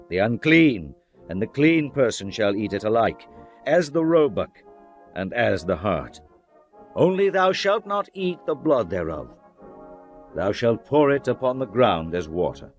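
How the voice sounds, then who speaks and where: A man giving a dramatized Bible reading, in a solemn, measured recitation of archaic scripture. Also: mid-range voice, big pitch swings. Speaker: scripture narrator. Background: background music.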